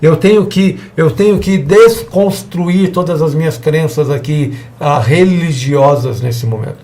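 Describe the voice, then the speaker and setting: A man with a slightly high, somewhat mellow voice and a measured pace teaches a church evangelism seminar lesson. He keeps it conversational, acting out small dialogues with the people he's speaking to.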